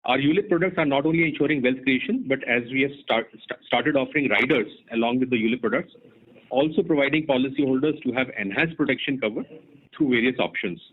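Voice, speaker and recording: A man with an Indian accent, formally reading a company results presentation in a measured, businesslike way as an executive. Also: medium pitch. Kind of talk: scripted earnings call presentation. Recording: muffled narrowband phone conference line.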